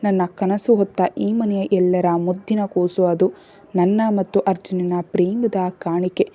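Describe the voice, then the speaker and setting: A woman's voice: mid-range voice, little pitch movement, unhurried, dark tone, lightly acted. A woman voicing a fierce vengeful young wife. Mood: bitter. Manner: hissing threats through clenched teeth.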